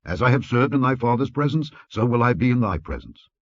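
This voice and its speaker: A man's voice: medium pitch, animated, a little fast, dry recording, lo-fi sound, voice pushed up. Male reader as loyal biblical courtier: earnest, formal, declamatory, voice raised, dry recording. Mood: earnest, pledging. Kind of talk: dramatic scripture reading.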